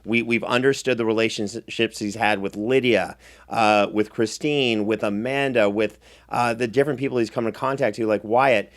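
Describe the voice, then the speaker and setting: A man's voice: on the low side, fairly even intonation, normal speed. A man hosting a casual recap show, talking in a playful, mock-indignant way. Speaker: podcast host and show producer.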